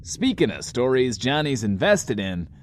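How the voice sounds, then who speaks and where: An actor playing a cocky, flirtatious radio DJ with a soft heart, who drawls and talks about himself in the third person in an audio drama. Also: male voice, medium pitch, very animated, a little slow, a little hiss or hum. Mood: wry, fond. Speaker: radio show host.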